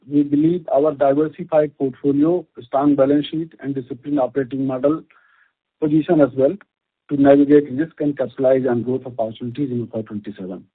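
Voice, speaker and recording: Indian accent guy reading an earnings script, kinda raspy, formal and measured, muffled lo-fi conference call sound. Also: a little high. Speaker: company executive presenting results. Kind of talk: scripted corporate earnings presentation. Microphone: conference call line. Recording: muffled band-limited conference call audio.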